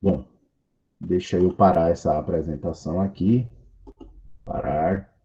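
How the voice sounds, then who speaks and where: A man's voice: sits low, steady tone, unhurried, dark tone, slightly rough, dull audio. Patient Brazilian man teaching English. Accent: Brazilian Portuguese. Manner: patient, explains step by step with repetition. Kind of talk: recorded online class.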